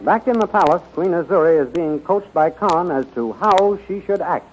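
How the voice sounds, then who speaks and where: A man's voice: a little high, animated, normal speed, faint music behind. A man announcing and narrating a 1930s radio serial in a formal, dramatic, emphatic way. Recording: dull 1930s radio recording.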